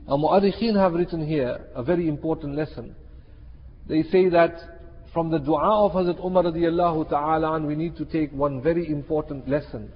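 Husky male preacher in a reverberant hall. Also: a little high. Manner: emphatic, repeats key phrases, mixes in Arabic and Urdu phrases. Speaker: Muslim preacher. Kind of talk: sermon. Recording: muffled, reverberant hall sound.

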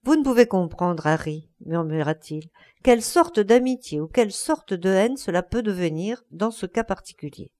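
Earnest young painter, reflective, expressive melody , read by a woman. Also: medium pitch, moderate pace, natural voice.

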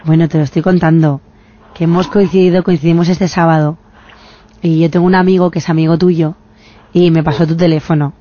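A man's voice: fairly high pitch, little pitch movement, fairly quick, dark tone, highs cut off, slight background noise. A prank caller who says he is a young woman, coaxing and dodging questions while asking a stranger out. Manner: insistent, coaxing, evasive.

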